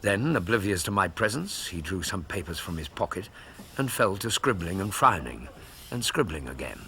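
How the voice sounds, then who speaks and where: A man playing Dr Watson, deep steady storyteller. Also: moderate pace, slight background noise, exaggerated voice. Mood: calm. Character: Dr Watson, Victorian doctor and narrator, man. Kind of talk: audio drama narration.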